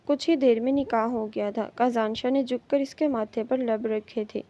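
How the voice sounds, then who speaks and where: A woman reading a romance novel aloud in steady audiobook narration. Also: fairly high pitch. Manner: steady storytelling. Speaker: novel reader. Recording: dull lo-fi recording.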